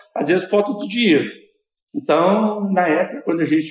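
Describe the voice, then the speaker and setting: Lively intonation marks this speech. Its pace is moderate. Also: man. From interior of Goiás, Brazil. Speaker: agronomist and farmer. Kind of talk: interview.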